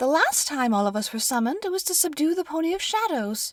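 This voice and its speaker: A female-sounding voice puts on a character voice, racing at a very fast pace with extremely high pitch and very wide pitch swings. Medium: audio drama. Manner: prim, proper.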